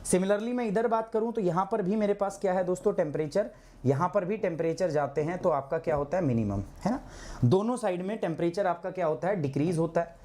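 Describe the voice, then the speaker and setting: A hoarse man teaching a live online geography class, asking his students questions and answering them himself, with English terms mixed in. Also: high voice, brisk, dark tone, a little hiss or hum. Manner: clears his throat often.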